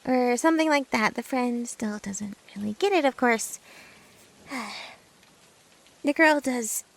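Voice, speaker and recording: A woman's voice: on the high side, takes it slowly, gravelly. A woman playing a nervous, lovestruck girl best friend in an ASMR roleplay, stammering and hesitant, often dropping toward a whisper. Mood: nervous, wistful. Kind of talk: ASMR roleplay acting, addressed to the listener.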